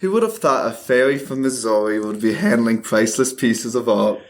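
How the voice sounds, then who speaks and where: A man's voice: medium pitch, normal speed, lightly acted. A man acting in a radio play as a wry, catty gay art handler from Missouri, chatty and sardonic in naturalistic dialogue. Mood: chatty, weary.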